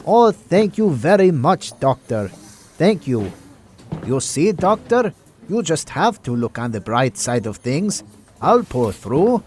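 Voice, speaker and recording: A man's voice: fairly high pitch, big pitch swings, slow, darkish tone, slight background noise. A man playing a theatrical character in an amateur audio drama. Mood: grateful. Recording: music under the voice.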